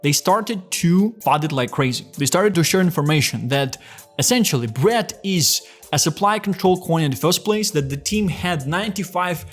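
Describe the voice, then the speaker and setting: A man's voice: fairly high pitch, expressive, normal speed, fairly bright tone. Blunt, profane man with light music. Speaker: crypto commentator. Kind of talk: casual commentary video.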